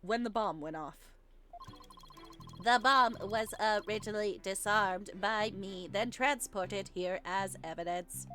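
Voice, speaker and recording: Woman putting on a stilted robotic male witness. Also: medium pitch. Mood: flat, detached. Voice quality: robotic, flat, stilted delivery. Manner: clipped, terse, halting phrases. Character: robotic-voiced male bomb disposal witness, terse and detached. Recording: game music behind the voice.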